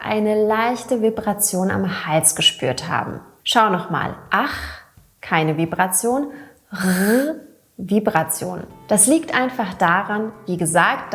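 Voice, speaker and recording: Slow-paced woman language coach, precise articulation, soft music bed. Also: medium pitch. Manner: slow, clearly articulated, demonstrates sounds and example words. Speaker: German pronunciation teacher. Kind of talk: scripted teaching narration.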